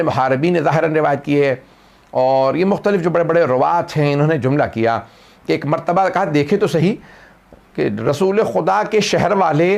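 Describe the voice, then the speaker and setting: Male cleric, mourning sermon; gravelly, somewhat high-pitched, dramatic storytelling that climbs to wailing. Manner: narrates a tragedy in a rising, wailing voice, quoting the figures dramatically. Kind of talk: Muharram majlis sermon, rising to wailing recitation. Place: mourning hall at an Islamic center.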